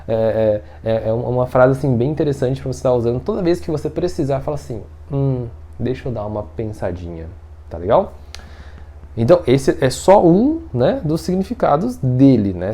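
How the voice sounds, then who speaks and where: Lively, chatty man teaching. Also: medium pitch. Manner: chatty, explains with everyday examples, checks in often. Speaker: Mandarin teacher. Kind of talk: casual video lesson.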